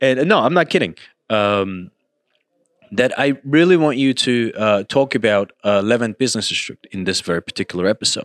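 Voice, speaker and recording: A man with a Turkish accent talks at a fairly quick pace with lively intonation. The sound is dry and close, without echo. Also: medium pitch for a man. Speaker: real estate podcast host. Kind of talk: casual chat. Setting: office studio.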